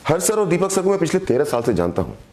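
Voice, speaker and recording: A middle-aged man with a sore, hoarse throat giving an earnest motivational live video address as a direct selling team leader, repeating phrases for emphasis. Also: fairly high pitch, sing-song, quick pace, dark tone.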